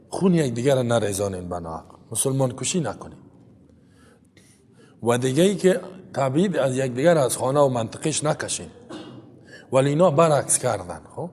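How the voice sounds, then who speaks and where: A man's voice: mid-range voice, a little mellow, big-room sound. A man with an Afghan Dari accent giving a Quran commentary lesson, reciting Arabic verses and then explaining them in plain, chatty talk with rhetorical "right?" asides. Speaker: Quran teacher.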